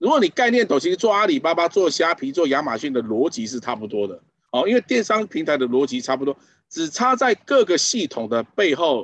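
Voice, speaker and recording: Recorded with a dry, close sound and no echo, a man talks at a fairly quick pace. His pitch swings very widely. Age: 40s. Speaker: e-commerce marketing lecturer. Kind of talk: lecture. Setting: livestream. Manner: animated.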